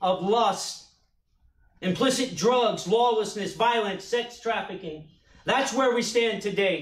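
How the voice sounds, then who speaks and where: A man with an American accent speaks at a fairly slow pace and a high pitch. Audible room echo surrounds his voice. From US. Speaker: pastor. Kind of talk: sermon. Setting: online church service, viewers at home. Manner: animated, exhorting. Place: church.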